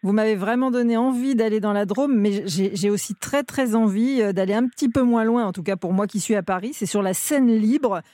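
A man's voice: high-pitched, brisk, few pauses, dark tone, dry recording. A man co-hosting a radio interview, speaking in a friendly and slightly hesitant way. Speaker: radio co-host.

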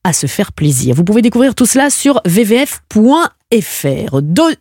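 A woman's voice: medium pitch, big pitch swings, normal speed, a little mellow, husky, no echo, studio quality. A woman hosting a radio quiz game, playful and teasing, laughing often between questions. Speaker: radio game show host.

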